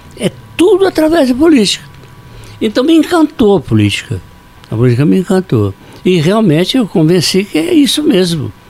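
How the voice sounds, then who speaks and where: Speech comes at a moderate pace with very even loudness and long, frequent pauses, over noticeable background noise. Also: man. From São Paulo state interior, Franca. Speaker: state politician. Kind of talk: interview. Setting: studio.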